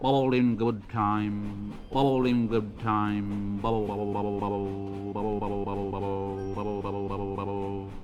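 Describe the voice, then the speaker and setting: Over clear background noise, a man uses a rumbling, put-on character voice at a fairly low pitch and a moderate pace. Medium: read story. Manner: grumbling, sulky.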